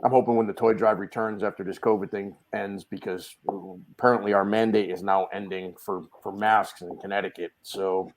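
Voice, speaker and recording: Animated rambling man telling stories. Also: moderate pace, hardly any pauses. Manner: animated, swings between low mumbles and loud bursts; rambling with many restarts and fillers. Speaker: podcast guest. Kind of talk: casual storytelling chat.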